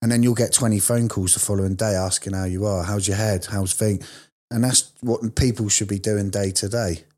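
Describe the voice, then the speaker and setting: Speaking fairly quickly with an English accent, a man with a fairly low voice keeps his intonation fairly even. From England. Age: 30s. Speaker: amateur bodybuilder in addiction recovery. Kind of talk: casual interview. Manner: halting, many fillers.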